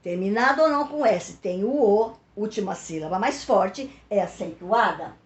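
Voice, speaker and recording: A female teacher with a São Paulo Brazilian Portuguese accent explains a lesson to pupils slowly and patiently, repeating key words and checking in with her listeners. Her medium-pitched voice has lively intonation, and the sound is roomy.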